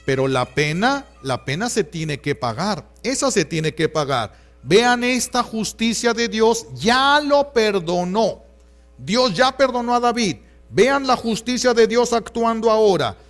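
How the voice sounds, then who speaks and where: A Catholic priest with a Mexican Spanish accent preaching a sermon in an earnest, pastoral way, repeating key phrases for emphasis. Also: male voice, high voice, big pitch swings, unhurried.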